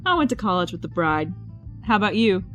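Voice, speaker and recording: A woman's voice: mid-range voice, sing-song, brisk, fairly bright tone, dull audio, faint music behind. An actress playing a polite, guarded but playful woman in a naturalistic audio drama. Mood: coyly playful.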